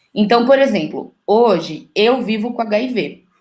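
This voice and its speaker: A woman speaks in an ordinary speaking voice at a fairly high pitch. Her pace is fairly slow. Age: 30s. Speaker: podcast guest living with HIV. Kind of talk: personal testimony and health explanation in a podcast interview. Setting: podcast studio with cameras. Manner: casual, conversational.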